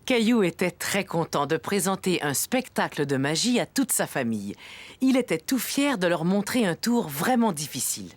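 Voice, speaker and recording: A woman narrating a children's cartoon story in a gentle storytelling manner. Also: lowish voice, sing-song, moderate pace. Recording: music behind the voice.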